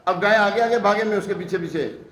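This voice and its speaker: In a reverberant recording, a man preaches an Urdu religious sermon in a high-pitched, fairly bright voice. He weaves in stories, performs the quoted lines, and leans on emphatic rhetorical questions.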